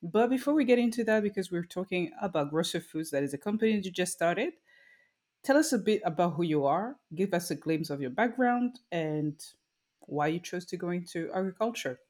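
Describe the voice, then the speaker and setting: Woman interview host, slightly low voice, short prompting replies. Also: expressive, brisk, darkish tone. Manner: brief prompting responses. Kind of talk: casual interview hosting.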